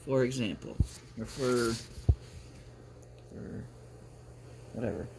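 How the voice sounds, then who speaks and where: A man's voice: mid-range voice, slow pace. A man vlogging casually, chatting and reading aloud in a rambling, self-interrupting way. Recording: clear background noise, ambient sound.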